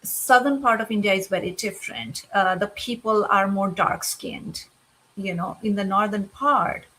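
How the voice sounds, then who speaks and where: A woman interpreting a guest's signed answers in an interview, unhurried, pausing with uh between phrases. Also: mid-range voice, fairly bright tone, low-quality recording.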